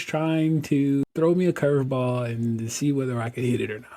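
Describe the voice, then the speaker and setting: With an American accent, a man speaks at a fairly high pitch, with a dark, mellow tone and ordinary pitch variation. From US South, Durham, North Carolina. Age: 30s. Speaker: motivational speaker, blind Air Force veteran. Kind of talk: podcast interview.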